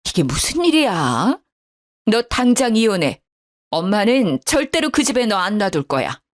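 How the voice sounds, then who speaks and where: A woman's voice: mid-range voice, lively intonation, moderate pace, lightly acted. A woman voicing an indignant middle-aged mother in a storybook drama, talking in an agitated, scolding way.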